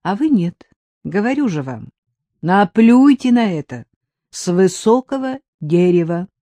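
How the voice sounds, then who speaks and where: A woman voicing a kind, easygoing man who teases gently, in a storybook reading. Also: medium pitch, big pitch swings, unhurried, no room sound. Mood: reassuring. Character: kind, joking male stranger giving a lift.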